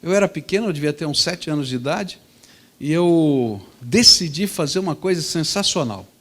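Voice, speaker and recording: A man, a pastor preaching a sermon in a lively, conversational storytelling manner. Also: on the high side, normal speed.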